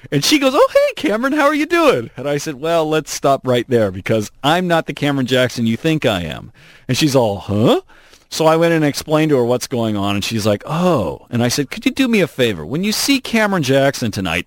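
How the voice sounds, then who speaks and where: A man hosting a talk radio show, telling stories and giving opinions in an animated, opinionated way. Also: medium pitch, dry recording. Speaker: radio host. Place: college radio studio.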